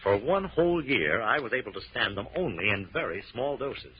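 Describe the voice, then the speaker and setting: An actor playing an earnest, protective scientist, explaining things precisely and with authority in a 1940s radio drama. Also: male voice, medium pitch, very animated, a little fast, slightly rough. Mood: firm, explaining. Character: earnest, firm, protective male scientist inventor. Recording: muffled old radio recording.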